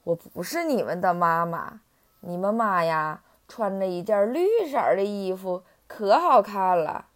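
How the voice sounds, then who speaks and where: A woman voicing a kindly white goose who speaks softly and a bit lower. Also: lively intonation, unhurried, close to an everyday voice. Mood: gentle. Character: gentle smiling white goose.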